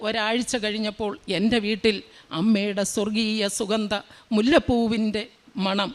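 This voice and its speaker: A woman's voice: medium pitch, little pitch movement, measured pace. A middle-aged woman from Kerala giving an earnest religious testimony at a prayer centre, retelling her story and quoting others' words. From Kerala, India. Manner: earnest, repetitive storytelling with quoted dialogue.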